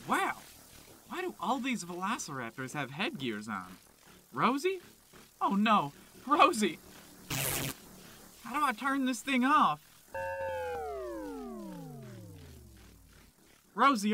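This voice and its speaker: A man's voice: very high-pitched, very animated, a little slow, long pauses, background noise, exaggerated voice. A man playing an earnest, naive young chicken farmer in a comedic audio drama. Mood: urgent alarm.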